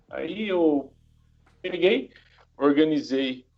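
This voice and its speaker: A man's fairly high-pitched voice with music in the background. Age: 40s. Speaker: publisher and website founder. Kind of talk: podcast interview.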